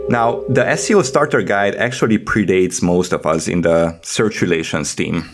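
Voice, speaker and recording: A man hosting a podcast in a theatrical, dramatic reading style, with deliberate, playful pauses. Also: on the low side. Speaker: podcast host.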